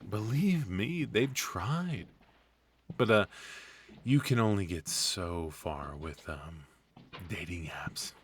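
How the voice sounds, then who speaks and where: A man's voice: low voice, lively intonation, takes it slowly, a little hiss or hum. A man playing a retired supervillain husband in a comedic ASMR roleplay, teasing and doting with a theatrical, conversational delivery. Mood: wry, teasing.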